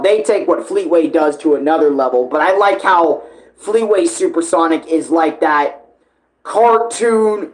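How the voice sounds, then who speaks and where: A streamer and video creator from Phoenix, in the United States, offers casual, rambling fan commentary, emphatic and conversational, full of slang and swearing. The voice sits between typical male and female pitch ranges, and the recording is low quality.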